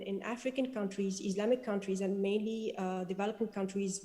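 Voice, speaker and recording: A woman's voice: mid-range voice, mellow. A woman from Tunisia, a space engineer speaking earnestly on a panel with frequent ums. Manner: earnest, fillers like um and uh. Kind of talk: panel discussion remarks. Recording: long hall reverb.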